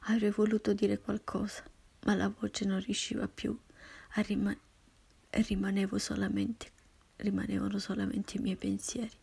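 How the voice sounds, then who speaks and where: Woman narrator, whispered first-person narration, airy and husky with a gravelly rasp. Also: medium pitch, little pitch movement, normal speed. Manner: hushed, breathy whisper.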